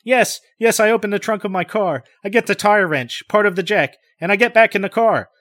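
A man's voice: high voice, animated, normal speed, fairly bright tone, voice pushed up. A man reading the part of a terrified man reliving an encounter, stammering and breathless with panic. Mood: panicked.

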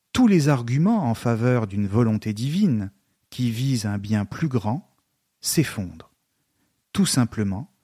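A man giving a scripted educational narration, measured and explanatory, slowing down on key terms. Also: mid-range voice, warm tone, slightly rough, dry recording, studio quality. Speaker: literature and philosophy lecturer.

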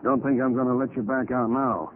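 An actor playing a menacing, tough American crook who leans on an old partner with drawling gangster slang in a 1940s radio drama. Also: male voice, mid-range voice, steady tone, fairly quick, natural voice. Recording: muffled hissy 1940s radio recording.

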